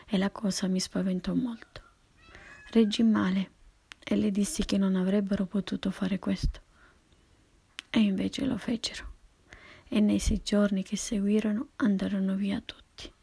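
A woman reading a personal memoir aloud in whispered narration, hushed and measured throughout. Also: mid-range voice, creaky, slightly rough, dry recording.

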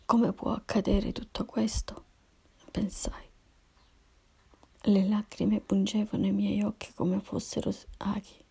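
Woman narrator, whispered first-person narration, airy and husky with a gravelly rasp. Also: mid-range voice, flat delivery, a little slow, pauses often. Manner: hushed, breathy whisper.

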